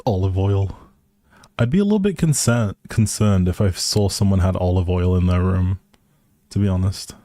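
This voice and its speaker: A man streams a life simulation game, talking casually and rambling amiably to viewers as he thinks out loud. His lowish voice is soft-edged and mellow at normal speed, and the sound is close and dry with almost no room.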